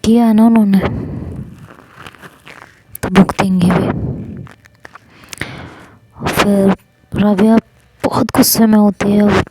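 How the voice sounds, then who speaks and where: A woman's voice: medium pitch, fairly even intonation, takes it slowly, pauses often, a little mellow, a little hiss or hum, poor audio. A woman storyteller narrating an audio love story, voicing both sides of heated phone quarrels in between.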